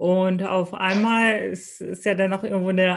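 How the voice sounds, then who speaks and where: A woman talks at a moderate pace and medium pitch in a normal speaking voice. Her intonation is fairly even. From Germany. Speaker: podcast host, business coach. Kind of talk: interview.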